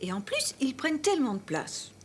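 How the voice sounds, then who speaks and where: A woman playing a kind young mother in a dubbed children's cartoon, gentle and encouraging. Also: high voice, wildly swooping pitch, brisk, a little hiss or hum. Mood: gently suggesting.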